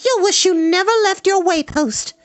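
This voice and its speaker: A man voicing an indignant, urgent young girl in a scolding, insistent falsetto for a storybook reading. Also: moderate pace, dry recording.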